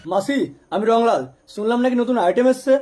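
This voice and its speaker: A woman's voice: on the high side, a little fast, over a noisy crowd, lightly acted. A woman voicing a swaggering male inspector figure in an exaggerated comedy skit. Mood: leering. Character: lecherous customer who is an undercover police inspector. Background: loud music.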